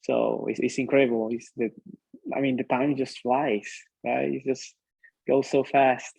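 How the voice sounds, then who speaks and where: Young man, Mexican accent, upbeat guest, even flat intonation, dry close sound. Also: mid-range voice, a little slow, creaky, breathy edge, no echo, low-quality recording. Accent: Mexican Spanish. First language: Spanish. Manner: upbeat, often tags sentences with "right?". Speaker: interview guest, PhD student. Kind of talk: casual interview chat.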